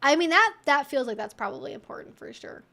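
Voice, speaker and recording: A woman's voice: high-pitched, big pitch swings, quick pace, vocal fry, sharp tone. A woman hosting a livestream, chattily and informally reading and answering viewer comments.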